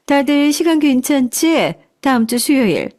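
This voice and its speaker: 여성이 연기하는 거만한 전무 사모님. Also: female voice, high voice, sing-song, darkish tone, voice pushed up. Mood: patronizing. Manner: slow, patronizing. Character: haughty older executive's wife.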